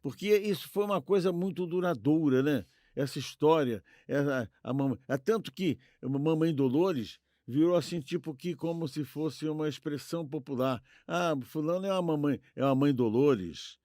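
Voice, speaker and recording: A man with a Brazilian accent co-hosting a podcast, offering opinions conversationally and rephrasing haltingly as he thinks aloud. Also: fairly high pitch, darkish tone, no echo, clean studio sound. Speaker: podcast co-host. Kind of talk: conversational commentary, giving opinions.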